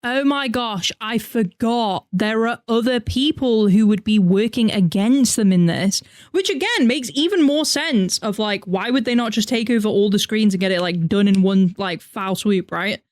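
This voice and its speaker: A woman streamer giving casual, animated reaction commentary with expressive exclamations. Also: medium pitch, normal speed, hardly any pauses, no echo.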